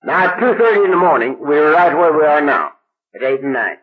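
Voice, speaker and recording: A man's voice: a little high, lively intonation, brisk, husky, narrow, tinny audio. An older man telling a recovery story to a meeting in a folksy, plain-spoken way, acting out the talk of the people in it.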